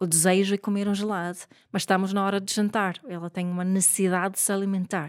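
A woman's medium-pitched voice at a very fast pace, with monotone, flat intonation, on a very clean recording with a silent background. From Sweden. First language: Swedish (speaking Portuguese). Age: 40s. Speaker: parenting author and educator. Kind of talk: casual interview chat.

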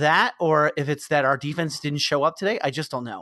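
With a Philadelphia accent, a man speaks at a fairly high pitch in a bright, sharp tone with fairly even intonation, his dry, close sound with no echo set against a quiet background. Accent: Philadelphia-area American. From US Northeast, Bucks County, Pennsylvania (Philadelphia area). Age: 30s. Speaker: podcaster. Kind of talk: casual chat.

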